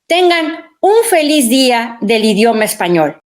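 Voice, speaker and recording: Woman presenter, formal reading, higher voice with lively intonation. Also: a little slow. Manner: formal and ceremonious. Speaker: program presenter. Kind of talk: formal read welcome speech.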